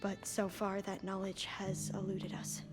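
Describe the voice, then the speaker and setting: A woman's voice: mid-range voice, monotone, measured pace, lightly acted. A woman playing an earnest, reverent young tribal scholar in a video game, with formal and hesitant phrasing. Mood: earnest, grave. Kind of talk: dramatic video game acting. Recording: loud game music behind.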